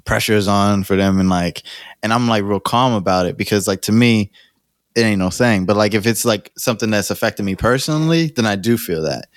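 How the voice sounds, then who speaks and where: A man's voice: on the low side, brisk, no echo, clean studio sound. A man co-hosting a podcast, talking in a laid-back, casual way and laughing often. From United States. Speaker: podcast co-host. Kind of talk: casual chat.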